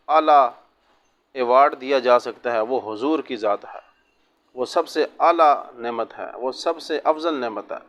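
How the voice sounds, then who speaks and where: A man speaking as a Muslim cleric, giving religious guidance in a didactic, measured way with short segmented phrases. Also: a little high, a bit bright. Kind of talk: religious sermon answering a question on Islamic rulings.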